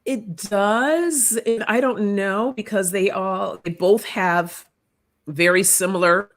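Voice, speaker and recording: A woman with a slightly raspy voice from a recent cough, casually co-hosting a live stream and greeting viewers by name. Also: mid-range voice, slow pace. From Canada. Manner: easygoing, laughs often, greets viewers by name. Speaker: tarot channel co-host. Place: home room, live stream. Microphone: computer mic on a live call.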